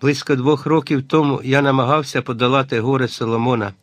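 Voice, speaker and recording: A man voicing an emotional middle-aged gentleman reunited with a lost brother, speaking lower and heartfelt. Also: steady tone, brisk, no room sound, natural voice. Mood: moved.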